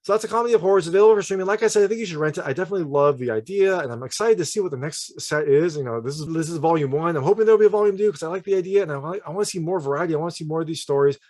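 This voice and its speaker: Fast-talking, higher-pitched man reviewing films. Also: a little mellow. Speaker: film reviewer and channel host. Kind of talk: casual video movie review.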